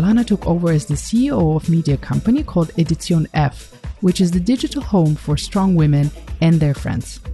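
Mellow-voiced woman hosting a podcast. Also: fairly low pitch. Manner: polite, earnest. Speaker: podcast host. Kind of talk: scripted intro, then interview questions. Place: podcast studio.

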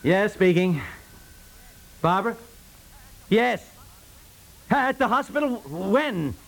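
A man's voice: high voice, lively intonation, slow, vocal fry, a bit bright, exaggerated voice, low-quality recording. A man acting a nervous expectant father in a 1950s radio comedy, stammering and repeating his words. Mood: flustered, anxious. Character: flustered, anxious expectant father, an office businessman. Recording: 1950s radio broadcast recording.

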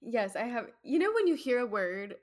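A woman co-hosting a Bible study podcast, talking in a relaxed, thoughtful way. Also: a little high, normal speed. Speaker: podcast co-host. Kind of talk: casual Bible study chat.

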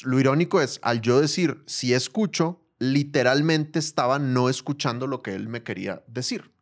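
A man co-hosting a podcast, giving casual advice and telling a personal story with lively slang. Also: mid-range voice, moderate pace. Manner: animated storytelling, calls listener brother and compadre. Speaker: podcast co-host.

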